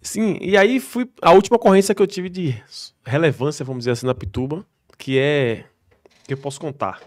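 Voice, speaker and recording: A man, a military police soldier, telling slangy, animated stories on a podcast. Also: a little high, a little fast. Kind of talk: podcast storytelling.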